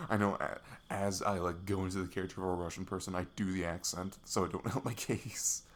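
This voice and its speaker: A man's voice: low voice, steady tone, normal speed, a little hiss or hum, close to an everyday voice. A young American man playing a goofy, affectionate best friend in an intimate ASMR roleplay, chatting in a rambling, self-deprecating way. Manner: rambling, giggly, self-deprecating, drops into murmurs.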